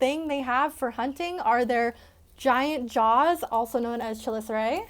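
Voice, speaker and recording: Loud and animated, a woman with a high-pitched voice uses ordinary pitch variation in a very clean recording with a silent background. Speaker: animal educator YouTuber. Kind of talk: casual educational talk to camera. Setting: outdoors.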